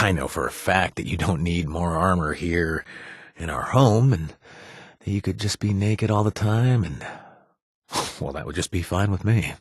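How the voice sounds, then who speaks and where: A man's voice: low voice, slightly rough, no echo, heavily acted. An actor playing a playful, flirtatious male companion in a video game, recorded dry in a studio.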